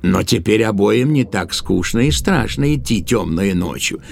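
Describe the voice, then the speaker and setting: A man's voice: lowish voice, expressive, moderate pace, gravelly, music in the background. A man narrating a literary tale as the storyteller of an audio play.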